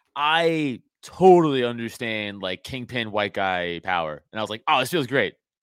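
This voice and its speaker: A man at medium pitch with very wide pitch swings, a moderate pace and hardly any pauses, on a very clean recording with a silent background and a dry, close sound with no echo. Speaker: comedian. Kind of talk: casual chat.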